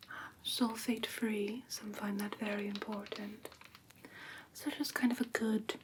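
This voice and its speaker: A woman playing a gentle vampire teacher in a whispered ASMR roleplay, patiently instructing in a soft, breathy, soothing way. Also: mid-range voice, level tone, measured pace, slight background noise, natural voice. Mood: gentle, instructive. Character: gentle female vampire teacher of human pet care.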